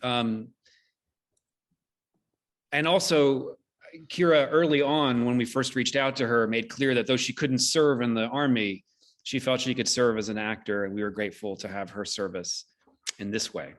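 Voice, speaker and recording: A middle-aged man hosting a live online discussion, speaking in a measured, earnest way. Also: mid-range voice, steady tone. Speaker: host. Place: video call.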